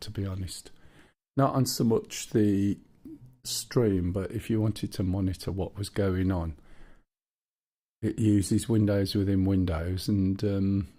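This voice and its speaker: A man's voice: deep voice, dark tone, breathy edge. A man with a Black Country accent chatting casually while live-streaming a flight game and reading viewer chat aloud.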